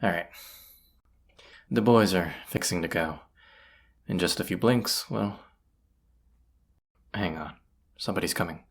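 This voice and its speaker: In a fantasy audio roleplay, a performer takes on the role of a roguish bandit chief, grumbling yet confident as he mutters sardonic, folksy asides to the listener. His voice is low and measured, with frequent pauses, and he sounds focused and sure of himself.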